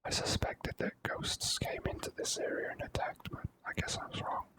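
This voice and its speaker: Gentle, slow whispering fills this clip as a video game player and host gives ASMR-style commentary, never rushing and keeping the voice hushed.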